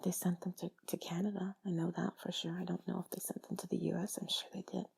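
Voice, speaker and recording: A woman talking in a hushed, breathy, intimate whisper, rambling along in a reassuring, comforting way as if to one listener. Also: lowish voice, little pitch movement, quick pace. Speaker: audio creator speaking to listener.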